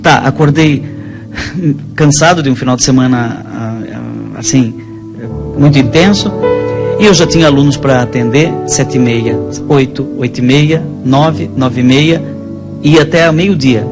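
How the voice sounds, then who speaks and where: A man with a Brazilian accent, a priest, talking conversationally about faith and telling stories in a halting, rambling way. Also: medium pitch. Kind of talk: conversational religious storytelling. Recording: music playing behind the voice.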